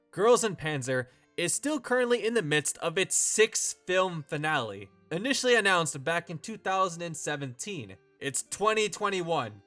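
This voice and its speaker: Animated man narrating with lively pitch swings. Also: dry recording. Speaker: video essay host. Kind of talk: scripted opinion narration.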